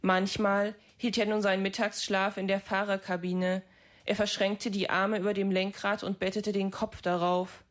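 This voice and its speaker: A woman reading a literary story aloud, measured and restrained. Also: medium pitch, little pitch movement.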